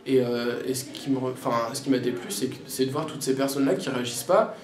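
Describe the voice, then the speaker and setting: A teenage boy giving a personal testimony, halting and reflective as he recounts events. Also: medium pitch, steady tone. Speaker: interviewee. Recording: roomy with faint background noise.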